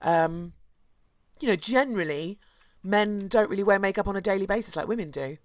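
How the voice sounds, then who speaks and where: A hoarse woman, co-hosting a podcast and chattily telling a history story, with asides and restarts. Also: medium pitch, expressive, fairly quick, no echo, clean studio sound. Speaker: podcast co-host. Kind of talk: casual chat, storytelling history.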